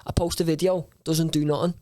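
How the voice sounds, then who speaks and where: Young scouse lad, highish voice, sweary podcast chat, emphatic and slangy, really dry sound. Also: male voice, little pitch movement, fairly quick, darkish tone, no echo. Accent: Scouse, from Liverpool. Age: young adult. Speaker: streamer, podcast guest.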